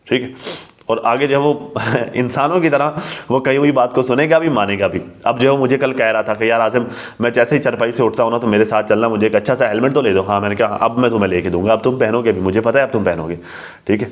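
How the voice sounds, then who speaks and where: A man talking casually to his viewers, lecturing and often repeating "okay" to drive his point home. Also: medium pitch. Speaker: vlogger.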